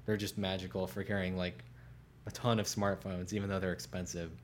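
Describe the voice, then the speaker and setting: A man co-hosting a casual tech podcast as a smartphone editor, relaxed and trailing off quietly at the ends of phrases. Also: deep voice, a little fast, a little hiss or hum. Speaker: senior smartphone editor, co-host.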